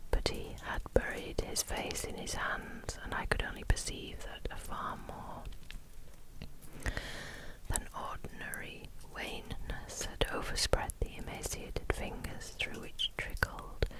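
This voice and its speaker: A whispering woman with a British accent at a very slow pace, over noticeable background noise. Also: big swings in loudness. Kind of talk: ASMR bedtime story reading. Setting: next to a crackling fire. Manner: whispered.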